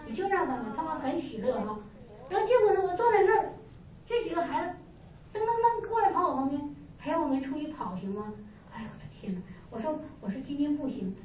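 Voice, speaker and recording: A woman relates a church testimony with lively exclamations and imitated sounds. Her voice sits high, and she talks fast. The recording is distant, roomy and a little muffled. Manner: animated, lively storytelling with sound effects and exclamations. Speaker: church member giving testimony. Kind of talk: personal testimony storytelling.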